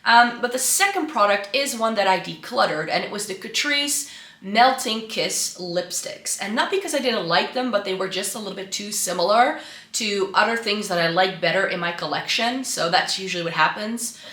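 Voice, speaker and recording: Woman vlogging, stuffy and a bit raspy from flu, bright tone, echoey room with the camera set back. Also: mid-range voice, expressive, moderate pace. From Netherlands. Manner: chatty, with frequent ums and restarts. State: congested and slightly raspy from flu. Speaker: beauty vlogger. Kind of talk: casual chat to camera. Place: home room by a Christmas tree. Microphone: camera mic, set some way off.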